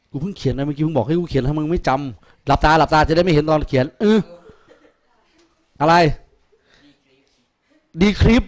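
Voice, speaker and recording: A man's voice: on the high side, moderate pace, pauses often, darkish tone. A man teaching math in a classroom, teasing his students with crude jokes. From Thailand. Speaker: math tutor. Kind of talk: classroom lecture.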